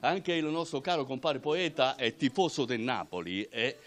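A man's voice: mid-range voice, moderate pace. A man, hosting a light live morning show with interviews. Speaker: TV show host. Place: shopping centre walkway. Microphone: handheld interview microphone.

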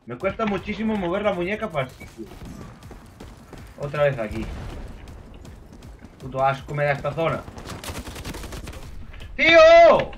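A man with a Spain Spanish accent streaming live gameplay commentary, excitable, swearing and yelling at opponents. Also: on the high side, moderate pace, long pauses, far from the mic, soft background music.

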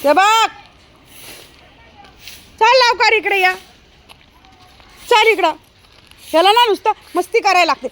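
A woman talks to her dog outdoors in a very high, drawn-out voice, half scolding and half teasing, breaking into laughter. Her casual vlog chat is picked up on a phone camera, with faint noise underneath. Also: fairly bright tone. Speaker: vlogger, dog owner. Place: outdoors in an open ground.

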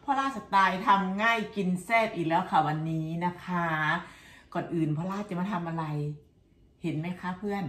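A woman's voice: low voice, echoey room. A middle-aged woman from Thailand, chatting and laughing while cooking breakfast at home for her vlog. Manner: chatty and laughing, constant polite tag words. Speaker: cooking vlogger. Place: home kitchen, indoors.

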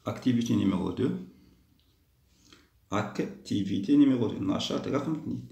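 A man walking young pupils through a lesson, slowly repeating each step in two languages. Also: on the low side, gravelly, warm tone, echoey room. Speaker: teacher. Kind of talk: primary school lesson walkthrough.

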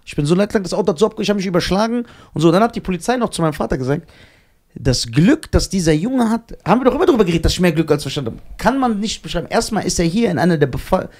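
A young man from Germany telling a story on a casual podcast, animated and laughing at himself as he acts out the voices of the people in it. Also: high voice, very fast. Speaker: podcast co-host.

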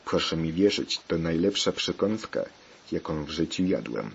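A man's voice: a bass voice, animated, moderate pace, vocal fry, exaggerated voice. Give me an eager pirate companion, read by a man with faint hiss behind. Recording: dull lo-fi recording, faint hiss.

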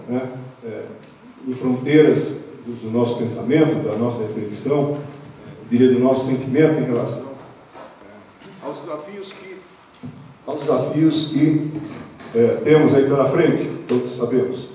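An older man with a Brazilian accent moderating a seminar panel, speaking formally and haltingly as he searches for words. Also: mid-range voice, mellow. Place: large indoor auditorium at panel table. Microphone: handheld microphone through hall, far camera. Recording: echoey auditorium, distant mic, faint noise.

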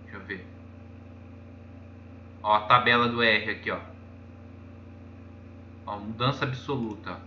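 Brazilian male YouTuber, casual rambling chart commentary, bright tone, roomy dull recording with faint noise. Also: fairly low pitch, a little slow, long pauses. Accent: Brazilian Portuguese. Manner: rambling, constantly saying "ó" while pointing at charts. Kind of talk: casual screen-share commentary. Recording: echoey room, dull lo-fi sound, faint noise.

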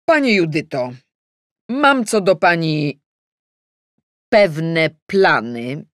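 A woman voicing a male editor-in-chief in an audiobook, an earnest, self-important boss who speaks in a measured, halting, persuasive way. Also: low-pitched, animated, no room sound, clean studio sound, full character voice. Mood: courteous, portentous.

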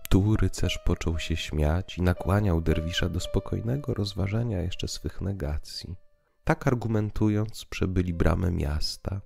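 A man's voice: low voice, unhurried, vocal fry, dark tone. A man narrating a literary audio play in a dramatic, scripted style. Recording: piano music underneath.

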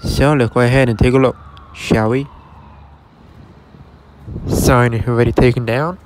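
Faint traffic drifts in as a man walks viewers past a closed restaurant at a shopping center, speaking to them directly. The vlogger, who explores defunct stores, keeps a medium pitch, fairly even intonation, and a measured, matter-of-fact delivery.

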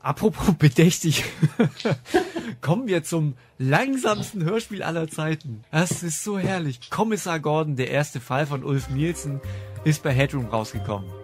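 A man's voice: a little high, lively intonation, unhurried, faint music behind. A man hosting a podcast, reviewing in a casual, chatty and enthusiastic way with a ready laugh. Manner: enthusiastic, laughs often while talking. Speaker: podcast host reviewing audio dramas.

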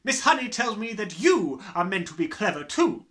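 Man putting on a shrill, domineering bully headmistress. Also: big pitch swings. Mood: furious, menacing. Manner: shouting, snapping, drawn-out emphatic words. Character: domineering, bullying middle-aged headmistress, harsh and sneering. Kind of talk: dramatised children's storybook reading.

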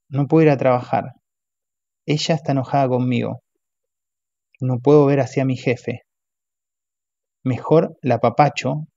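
A man's voice: medium pitch, vocal fry, mellow, no echo. A man doing a self-pitying drunk husband, whiny, dull dry sound. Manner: wheedling, whiny. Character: hungover alcoholic husband, wheedling and self-pitying.

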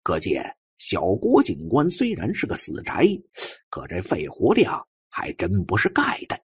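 Male suspense narrator: dramatic storyteller, strongly raspy, hugely varied intonation. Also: deep voice, huge pitch swings, unhurried, dry recording, clean studio sound. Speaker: audiobook narrator.

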